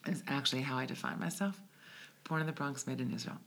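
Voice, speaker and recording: A woman's voice: extremely low pitch, fast, a bit bright. A woman guest from the United States, a native speaker of English and Hebrew, talking reflectively in a conversational interview. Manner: reflective, searching, with restarts.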